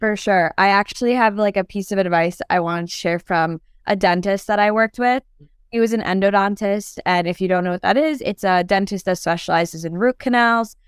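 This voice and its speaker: A woman's voice: mid-range voice, normal speed, clean tone, dry recording, studio quality. A young woman, born in Turkey and raised in New York, chatting as a dental student guest on a podcast, full of "like" and "um". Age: young adult. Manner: chatty, lots of "like" and "um" fillers. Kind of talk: casual podcast interview.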